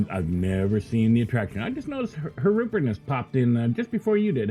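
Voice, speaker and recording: With music in the background, a man speaks at a medium pitch using lively intonation. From Canada. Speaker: video game streamer. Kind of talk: live gameplay stream talking to chat. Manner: casual, halting with repeated words.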